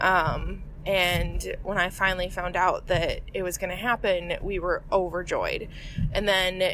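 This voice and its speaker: A woman with an American accent at a fairly slow pace, amid noticeable background noise. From US Midwest (Wisconsin). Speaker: listener leaving voicemail. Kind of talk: testimony. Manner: halting.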